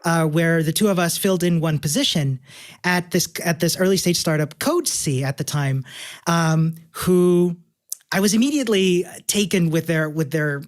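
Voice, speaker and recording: A Chilean developer relations engineer chats as a guest on a podcast in a casual interview, upbeat and laughing often. His voice is fairly high-pitched and he speaks at a normal speed.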